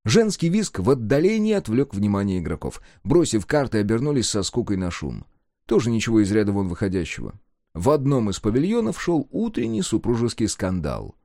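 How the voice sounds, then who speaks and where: A man reading an audiobook in an expressive, wry narrating manner. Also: lowish voice, a little fast, no echo, clean studio sound. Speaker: audiobook reader. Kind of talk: scripted narration.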